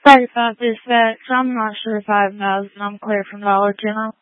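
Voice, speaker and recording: A woman police officer talking to dispatch over a walkie talkie radio, brisk and full of codes. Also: medium pitch, little pitch movement, no room sound. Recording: tinny, dry radio transmission.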